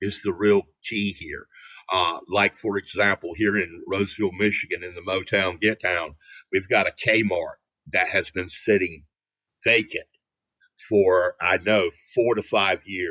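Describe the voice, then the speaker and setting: With a strong Southern US accent, a man speaks at a fairly slow pace and fairly low pitch in a monotone, flat intonation. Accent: huge Southern drawl. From US South, North Carolina. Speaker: political activist and author. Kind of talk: casual chat. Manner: halting.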